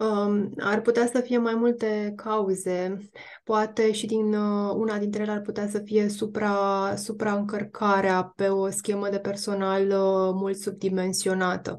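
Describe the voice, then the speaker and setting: Flat and monotone, a woman speaks at a very slow pace in a medium pitch. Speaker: former ministry civil servant. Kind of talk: panel discussion. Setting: video call. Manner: halting, many fillers.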